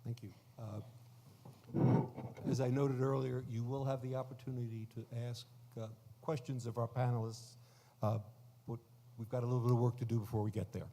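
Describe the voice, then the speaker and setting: A man moderating a conference panel, introducing the guests formally in a measured way with frequent fillers. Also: mid-range voice, little pitch movement, noisy background.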